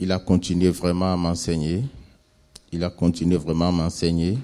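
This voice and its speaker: This man's voice is very deep and low, with a dark, mellow tone. The recording is very clean, with a silent background. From Benin. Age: 40s. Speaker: churchgoer. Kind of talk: testimony. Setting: church.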